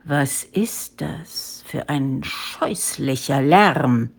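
A woman voicing an irritated, haughty tigress mother in a storybook, hissing slowly and threateningly. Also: low-pitched, expressive, creaky, breathy edge, voice pushed down, heavily acted. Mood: angry, haughty.

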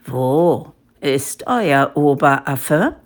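A woman voicing an irritated, haughty tigress mother in a storybook, hissing slowly and threateningly. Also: a bass voice, expressive, pitched below the performer's own voice, full character voice. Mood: menacing.

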